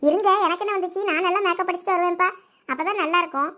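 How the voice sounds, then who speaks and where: High, bright Thoothukudi village woman. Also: very fast. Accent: Thoothukudi Tamil. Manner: scolding, lively village banter. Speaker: cartoon narrator voicing village women. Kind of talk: cartoon voice acting.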